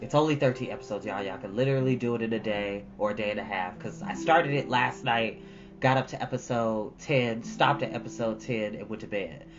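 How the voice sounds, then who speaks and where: A man's voice: lowish voice, fairly quick. A man hosting a stream, chatting casually and emphatically to his viewers in an informal, folksy way, often repeating himself for effect. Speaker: storytime stream host. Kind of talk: casual chat to live viewers. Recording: dull lo-fi audio, loud music.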